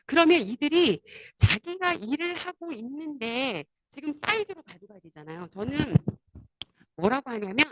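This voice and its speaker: A woman giving a motivational seminar talk, animated and laughing often as she acts out conversations. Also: high voice, moderate pace, very noisy. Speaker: network marketing speaker.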